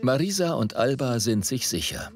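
A man reading scripted voice-over narration for a TV report in a measured, even way. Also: mid-range voice. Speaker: documentary narrator.

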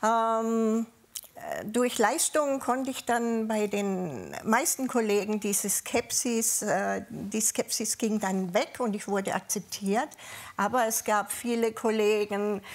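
A woman with a southern German accent, a former police officer, recalling her years on duty in a measured way with frequent hesitations. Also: medium pitch. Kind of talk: panel talk, personal recollection.

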